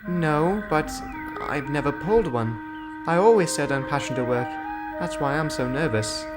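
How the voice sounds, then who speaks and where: A bright, polite young female engine, eager to please and often unsure of herself, as a man voices her. The voice sits well above his own and swings lively in pitch. Clear music plays behind it. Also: normal speed. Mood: nervous. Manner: high, gentle, sometimes nervous.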